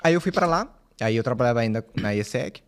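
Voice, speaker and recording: A man, a podcast guest telling his story in a relaxed, rambling way with many fillers. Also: mid-range voice, brisk, a little hiss or hum. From Colombia. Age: 30s. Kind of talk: casual podcast conversation.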